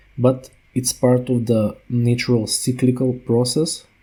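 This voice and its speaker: In a very clean recording with a silent background, a man with a non-native accent speaks at a fairly slow pace, his medium-pitched voice dark, mellow and somewhat breathy. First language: not English. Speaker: YouTuber, alternative science commentator. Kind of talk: video monologue presenting evidence. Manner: halting, with self-corrections.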